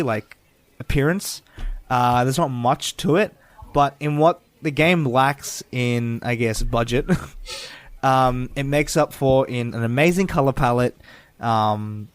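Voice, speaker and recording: A man co-hosting a podcast, giving a rambling recommendation in casual chat and searching for words with many fillers. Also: medium pitch. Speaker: podcast co-host.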